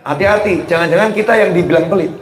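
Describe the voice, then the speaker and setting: A man preaches with a high, lifted voice, pushing the congregation to answer him back. The sound is roomy and echoing, as in a large hall. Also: fast talker, noisy background. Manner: animated, call-and-response with the congregation. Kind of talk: sermon. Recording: roomy echo.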